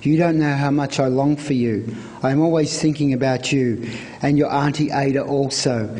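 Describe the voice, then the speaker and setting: A man reading a prepared script of historical letters aloud at a live event in a measured way. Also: mid-range voice, fairly even intonation, warm tone.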